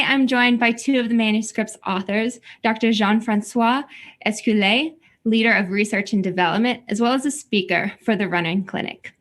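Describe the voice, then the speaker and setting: A woman hosting an interview podcast and asking her guests measured questions. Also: fairly high pitch, fairly bright tone. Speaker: podcast host.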